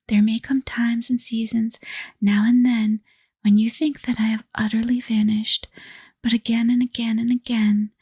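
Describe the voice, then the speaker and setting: Lady whispering as a sweet little fairy, coaxing and cheery, soft raspy whisper, gravelly edges, dry close sound, whispered role-play. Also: on the high side, dry recording, heavily acted. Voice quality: breathy whisper. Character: cheerful winged fairy girl Hope, coaxing.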